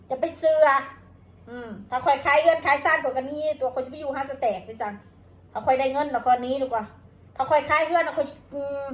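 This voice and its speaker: A woman with an Isan accent and a high voice vents at her viewers. She talks in a coarse, combative way and curses freely. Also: a bit bright. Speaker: vlogger. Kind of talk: angry rant to viewers.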